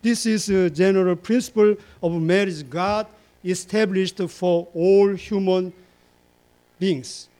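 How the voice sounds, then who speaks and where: A man preaching a sermon slowly, repeating words and phrases for emphasis and stringing long lists together. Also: high voice, steady tone, dark tone. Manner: fillers and restarts, lists in long chains. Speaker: pastor.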